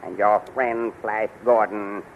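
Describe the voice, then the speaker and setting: An actor playing a gloating villainous general and court magician in a 1930s radio serial, halting, muttering and imperious. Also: male voice, fairly low pitch, steady tone. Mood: menacing. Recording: dull, noisy 1930s radio recording.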